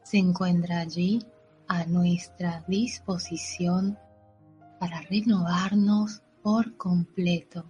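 A woman narrating a guided meditation in a soothing, unhurried way, with gentle pauses. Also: fairly low pitch. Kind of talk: slow guided meditation with affirmations. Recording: dull lo-fi audio with soft music. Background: soft background music.

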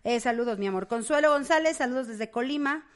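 A woman with a Mexican accent co-hosts a podcast, reading listener greetings aloud. She jokes and teases in casual slang, her voice pitched a little high. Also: fast talker. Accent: Mexican Spanish. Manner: joking, slangy, reads messages aloud. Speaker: podcast co-host.

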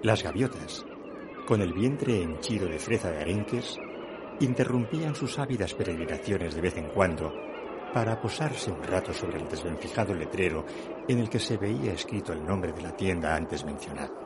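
A man's voice: deep voice, expressive, normal speed. A man narrating a radio play in a scripted, dramatic storytelling style. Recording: loud ambient noise behind.

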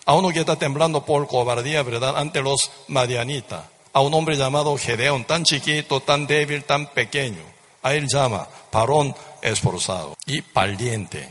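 A man's voice: mid-range voice, normal speed, fairly bright tone. A man preaching a sermon with fervent repetition, often tossing rhetorical questions at his listeners. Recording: reverberant hall.

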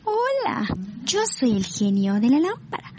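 A woman's voice: high voice, huge pitch swings, measured pace, background noise, exaggerated voice. A woman voicing a playful genie of the lamp, theatrical and grand.

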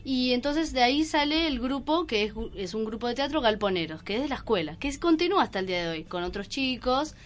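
A woman with a Buenos Aires accent explaining things in a casual radio interview, haltingly and checking that she is followed. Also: fairly high pitch, expressive, a little hiss or hum. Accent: Buenos Aires Argentine. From Argentina, Buenos Aires province. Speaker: guest, clown theatre performer. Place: radio studio. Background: music.

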